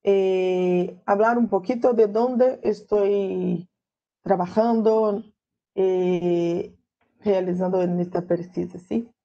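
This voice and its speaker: A Brazilian woman with a Portuguese accent lectures in Spanish, slowly and with care as she searches for words. Her voice is mellow and low in brightness. She comes through a video call with slightly muffled sound. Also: steady tone. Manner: slow and careful, searching for words. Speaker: guest lecturer.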